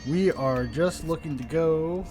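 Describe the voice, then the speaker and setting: Speaking at a measured pace in a slightly high, darkish voice with a stuffy edge, a young man live-streams a game. Game music runs underneath as he thinks aloud and trades wry asides with chat.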